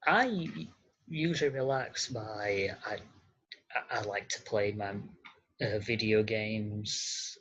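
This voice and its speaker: Podcast guest, husky mid-pitched voice, hesitant casual delivery, dull lo-fi recording. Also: a bit bright. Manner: hesitant, halting, repeating words. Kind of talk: casual interview chat. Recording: dull, muffled lo-fi sound.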